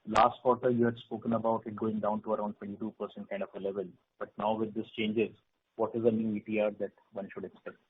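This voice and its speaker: A man's voice: lowish voice, little pitch movement, fast talker, slight background noise. A male analyst calling in to an earnings call and putting questions in a polite, formal way. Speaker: financial analyst, caller. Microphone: phone call. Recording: tinny dry phone line.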